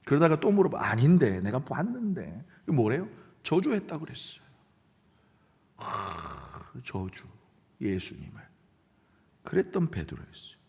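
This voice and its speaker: A man's voice: mid-range voice, huge pitch swings, unhurried, vocal fry, pauses often, a little mellow, long reverb tail. A middle-aged man with a Gyeongsang accent, preaching a sermon as senior pastor, acting out quoted voices and dropping to near-whispers. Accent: Gyeongsang Korean. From Gyeongsang region of Korea.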